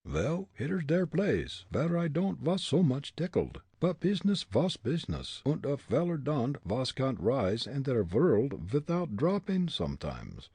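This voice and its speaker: A man's voice: mid-range voice, wildly swooping pitch, a little slow, few pauses, warm tone, husky, no room sound, voice pushed up, full character voice. A man voicing a bumbling young male detective with a thick mock German-Dutch dialect in a storybook reading. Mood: comic grumbling.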